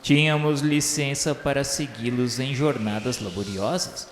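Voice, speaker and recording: A Brazilian man narrating a radio novel in a solemn, formal, measured and declamatory literary style. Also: medium pitch, a little hiss or hum. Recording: echoey voice over background music. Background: music.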